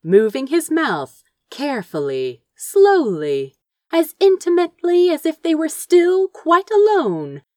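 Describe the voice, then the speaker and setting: A woman's voice: high-pitched, takes it slowly, no echo, clean studio sound. A woman reading fiction aloud as dramatic, theatrical narration. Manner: expressive, theatrical storytelling. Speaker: audiobook reader of fan fiction.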